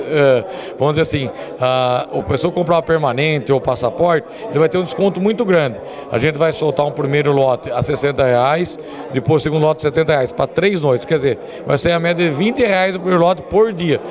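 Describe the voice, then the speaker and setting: Brazilian man, highish voice, people behind. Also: fairly quick, crowd noise. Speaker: rodeo company organiser being interviewed. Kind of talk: TV interview answers. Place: indoor lobby. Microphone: handheld interview microphone. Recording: people audible in the background.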